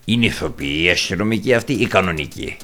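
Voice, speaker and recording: A blunt, rowdy village uncle. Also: male voice, low voice, animated, bright, forceful tone, soft background music. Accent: rural Epirus Greek. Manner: blunt, rowdy, swears freely, tall tales. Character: blunt boastful rural uncle from a village, middle-aged. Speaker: comic character reacting to videos. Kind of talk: improvised comic monologue.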